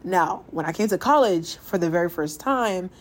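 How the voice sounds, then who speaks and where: A woman in her twenties, originally from Ghana, hosts her own podcast and talks about her life in a relaxed, personal way. Her voice sits a little low. She tells stories with energy and raises her pitch when she quotes other people. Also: moderate pace. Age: 20s. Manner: animated storytelling, laughs often, voices others' lines in higher pitch. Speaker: podcast host. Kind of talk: casual personal monologue.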